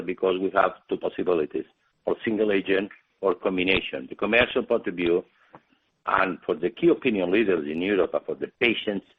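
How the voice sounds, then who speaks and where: A low, husky male executive with non-native English answers questions on a conference call. He explains point by point in loosely built phrases, heard through a narrow telephone line. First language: not English. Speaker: company executive answering analysts. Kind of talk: spontaneous business Q&A on a conference call. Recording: muffled narrowband phone line.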